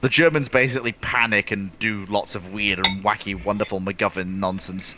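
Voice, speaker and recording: A man's voice: fairly low pitch, fairly even intonation, fairly quick. A man co-hosting a casual history chat in colloquial language, repeating phrases and acting out imagined remarks. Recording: clearly noisy background.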